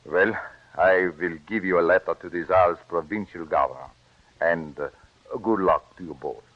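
A courtly prince. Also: male voice, sits low, moderate pace. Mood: gallant. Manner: gallant, formal. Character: courtly Russian prince, older nobleman. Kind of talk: 1940s radio acting. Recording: muffled old radio recording.

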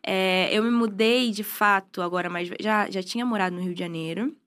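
A woman's voice: mid-range voice, fairly quick, a bit bright. A woman in her twenties from southern Brazil with no regional accent, chatting as a podcast guest and telling stories with frequent restarts. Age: 20s. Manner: chatty, storytelling, trailing restarts. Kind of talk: casual interview chat. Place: podcast studio.

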